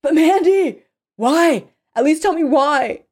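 Woman playing a panicked, high-pitched captive young man. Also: big pitch swings, fairly quick, a little mellow, husky. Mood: pleading. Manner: exclaiming, incredulous, pleading.

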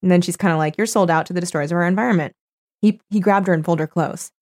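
A woman with a lowish voice co-hosts a chatty podcast. She reads passages from a book aloud and gives them playful emphasis. She talks into a studio mic. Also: very fast, a little mellow. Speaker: podcast co-host. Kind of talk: casual chat reading from a book. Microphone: studio microphone.

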